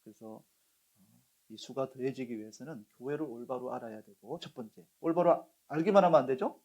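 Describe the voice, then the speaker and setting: A man's voice: medium pitch, fairly quick, a little mellow. A middle-aged man preaching a sermon as a pastor, telling stories and putting questions to the congregation. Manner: storytelling with acted quotes, asks the congregation questions.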